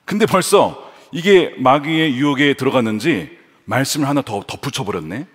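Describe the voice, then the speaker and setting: A man's voice: mid-range voice, normal speed, slightly rough, long reverb tail. A male pastor preaching a sermon, shifting between a plain teaching voice and dramatized quotes. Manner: lively, voices the tempter and quotes in dramatic tones. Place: church sanctuary.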